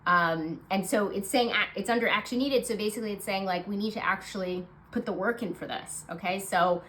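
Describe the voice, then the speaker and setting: A woman's voice: mid-range voice, fairly quick, a bit bright, a little hiss or hum, poor audio. Congested woman reading tarot cards. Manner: chatty and reassuring, many fillers and asides. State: congested, nasal voice. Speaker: tarot card reader. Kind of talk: casual monthly card reading to camera.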